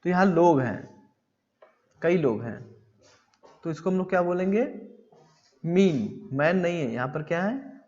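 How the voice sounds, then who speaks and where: A man teaching grammar at a slow, unhurried pace, his voice sitting a little high. He reads English lines slowly, explains them, and answers his own questions. The lo-fi recording sounds dull, with a long reverb trailing behind. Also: big pitch swings, darkish tone. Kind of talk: classroom-style lesson on English grammar.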